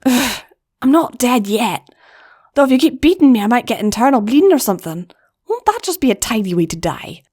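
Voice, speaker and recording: A woman's voice: a little high, big pitch swings, a little fast, pitched above the performer's own voice. Brusque goblin big sister with a put-on lilt, voiced by a woman narrator. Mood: rueful. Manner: brusque, teasing, softens to whispers. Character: tough older-sister female goblin mare.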